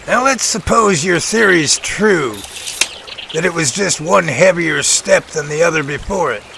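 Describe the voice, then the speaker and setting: A man acting as a confident, methodical professor in an audio drama, explaining things precisely and deliberately. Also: fairly high pitch, creaky, background noise. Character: confident, methodical male professor tracking a sasquatch.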